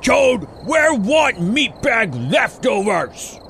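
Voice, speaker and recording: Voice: medium pitch, big pitch swings, extremely slow, vocal fry, full character voice. An actor voicing a dim, brutish, hungry monster that talks in blunt broken phrases for an audio drama. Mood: surly, hungry. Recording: noisy, with crickets behind.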